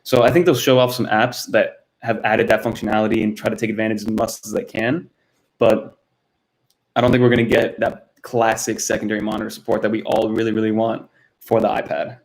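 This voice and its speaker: Streaming live for the first time from a cluttered home room in Miami, Florida, a young American man talks casually and answers viewers by name. He speaks fairly quickly in a flat, fairly low voice, and the built-in camera mic makes for poor audio.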